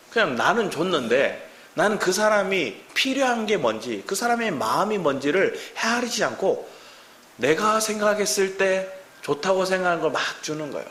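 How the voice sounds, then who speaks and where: A man in his thirties with a Gyeongsang Korean accent preaches a sermon as a pastor, putting many questions to the congregation. His voice is a little high with a fairly bright tone. It's recorded in a church sanctuary, a roomy hall with faint hiss.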